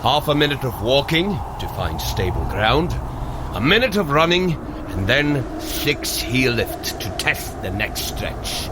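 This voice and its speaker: An actor playing a hearty, confident warrior god who coaches with formal, commanding speech in an audio adventure. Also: male voice, medium pitch, very animated, a little slow, noisy background. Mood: steady, encouraging. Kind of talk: scripted audio adventure acting.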